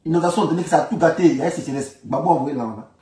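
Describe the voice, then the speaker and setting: Echoey, higher-pitched Ivorian man. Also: racing, warm tone. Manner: repeats phrases emphatically, colloquial. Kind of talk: informal political commentary. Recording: echoey room, distant from microphone.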